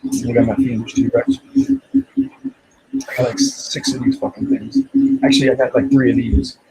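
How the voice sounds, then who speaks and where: A man's voice: mid-range voice, wildly swooping pitch, unhurried, creaky, darkish tone, breathy edge, poor audio. A man in his forties on a video call from a small room at home, laid-back and teasing, casually swearing. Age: 40s.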